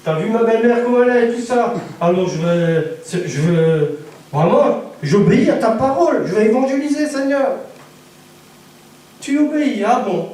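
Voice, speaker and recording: A high-voiced male evangelist preaches to his congregation, telling his story with laughter and acted-out voices. He sounds far from the microphone in a very echoey church hall, with faint noise behind him. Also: expressive, a little fast, darkish tone. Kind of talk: sermon with personal testimony.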